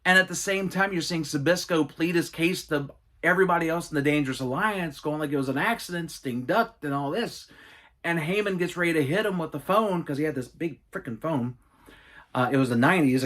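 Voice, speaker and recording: A middle-aged man hosting a casual Q&A video, telling stories with enthusiastic, animated asides. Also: on the high side. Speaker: gaming and wrestling channel host. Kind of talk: casual Q&A monologue.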